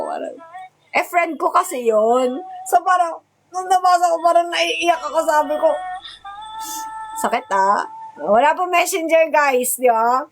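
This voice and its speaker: A young woman with a high, light voice chats on a livestream, talking into a phone. She tells her stories in a loose, rambling way, full of fillers and breaking into giggles. Soft music plays faintly behind her. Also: poor audio. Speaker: livestream host. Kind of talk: casual livestream chat.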